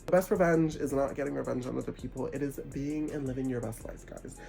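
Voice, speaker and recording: Young male vlogger, stuffy nose, animated and preachy, mid-pitched, faint music underneath. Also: fast talker, creaky, poor audio. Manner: animated, preachy, sarcastic asides. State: congested. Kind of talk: casual spiritual advice monologue.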